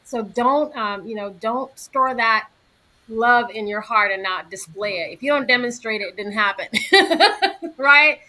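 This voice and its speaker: A woman's voice: a little high, lively intonation, a little slow, sharp tone, poor audio. A woman moderating a live panel on a video call, upbeat and encouraging.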